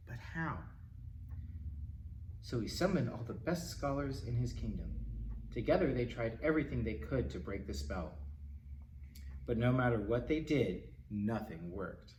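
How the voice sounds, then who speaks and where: A man reading a children's picture book aloud as a storytime host, in an expressive, dramatic manner with asides to the listeners. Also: medium pitch. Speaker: library storytime reader. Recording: roomy, distant mic, faint noise.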